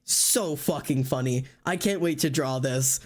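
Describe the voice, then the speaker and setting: Excitable rambling streamer, casual swearing. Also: mid-range voice, measured pace. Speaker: streamer and artist. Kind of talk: casual chat.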